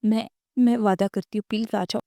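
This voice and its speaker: Woman doing a desperate young woman, tearful and pleading, mellow voice, dry sound, audio novel. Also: medium pitch, fairly even intonation, gravelly, no echo, natural voice.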